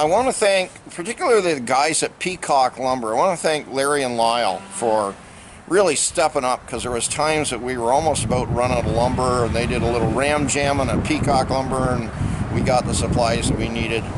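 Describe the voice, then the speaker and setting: Noticeable background noise sits behind a man's medium-pitched voice. He talks at a fairly quick pace with ordinary pitch variation. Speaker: restoration contractor. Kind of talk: on-site video update. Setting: outdoors on building site. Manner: fast.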